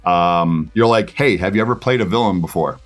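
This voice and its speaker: Low-voiced man, halting casual talker. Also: faint music behind. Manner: rambling, halting, recounts conversations as acted dialogue. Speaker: voice actor, interview guest. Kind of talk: casual interview chat.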